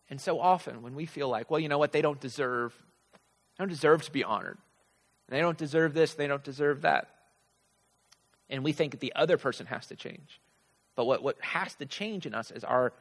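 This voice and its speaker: A man's voice: mid-range voice, a bit bright. A man preaching a conversational sermon, emphatically repeating his key phrases for effect. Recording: large hall with long reverb.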